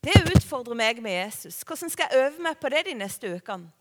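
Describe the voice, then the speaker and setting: High-voiced woman preaching in a hall. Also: sing-song. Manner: conversational, warm-hearted preaching with rhetorical questions. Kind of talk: sermon. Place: church hall. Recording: long hall reverb.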